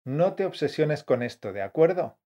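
A man co-hosting a scripted teaching podcast, brisk and coaching in tone. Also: on the high side, big pitch swings, dark tone. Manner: brisk, coaching, calls listener "campeón" and "fiera". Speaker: podcast co-host, Spanish teacher.

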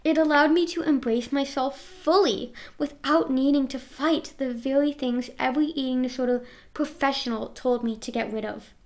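A woman in her twenties reading her own personal memoir aloud in an earnest, reflective way. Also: sits high.

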